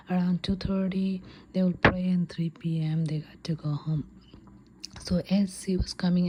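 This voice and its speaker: Slow, whispering woman telling an ASMR story. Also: deep voice, a little hiss or hum. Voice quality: soft, breathy whisper. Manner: hesitant, unscripted telling with pauses.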